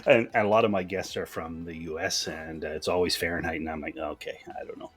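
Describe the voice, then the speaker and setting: Low, husky Canadian male podcast host. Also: quick pace, faint music behind. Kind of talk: casual conversational interviewing.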